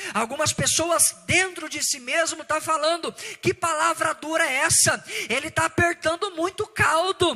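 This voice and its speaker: A man speaks in a raised, projected voice at an extremely high pitch, with fairly even intonation. Noticeable background noise runs beneath him. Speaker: preacher. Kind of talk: sermon.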